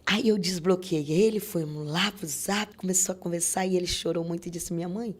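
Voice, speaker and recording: A woman's voice: on the low side, steady tone, normal speed, breathy edge. A middle-aged Brazilian woman telling a faith testimony as a podcast guest, earnest and repetitive, often acting out what others said. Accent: Brazilian Portuguese. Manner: earnest, repetitive storytelling, quoting others aloud. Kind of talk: spoken religious testimony.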